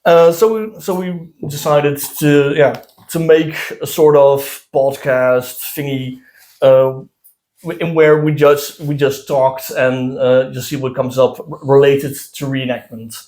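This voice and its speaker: A man from the southern Netherlands whose first language is Dutch, co-hosting a casual podcast chat in a room indoors, talking haltingly with many fillers and restarts. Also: medium pitch, little pitch movement, a little mellow. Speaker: podcast co-host.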